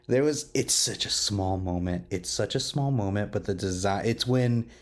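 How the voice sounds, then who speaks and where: A man's voice: lowish voice, moderate pace. A man hosting a casual roundtable chat, talking in an effusive, rambling, enthusiastic way. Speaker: host interviewing podcast creators.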